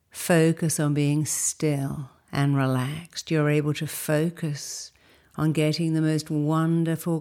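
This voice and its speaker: A woman leading a guided meditation in a soothing, unhurried, instructive way, with a soft voice that turns breathy at phrase ends. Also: low-pitched.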